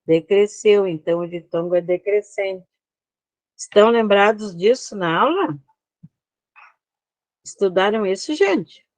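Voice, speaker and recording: A woman's voice: medium pitch, measured pace, pauses often, a little mellow, dry recording. A Brazilian woman teaching an online class, explaining slides step by step and often checking that her students follow. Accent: Brazilian Portuguese.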